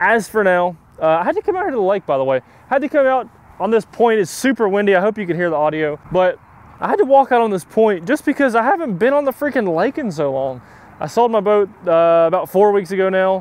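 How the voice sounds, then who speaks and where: Very fast and high-pitched, a man's speech covers very wide pitch swings. The sound is dry, with no echo. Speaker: fishing vlogger. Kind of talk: casual vlog chat. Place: waterside. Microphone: lapel.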